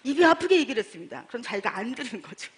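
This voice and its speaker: Husky, high-pitched middle-aged woman; animated storyteller addressing a seminar crowd. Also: racing. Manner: animated, acts out dialogue, asks the audience questions. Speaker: sales distributor giving a testimony. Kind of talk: storytelling talk to a seminar audience.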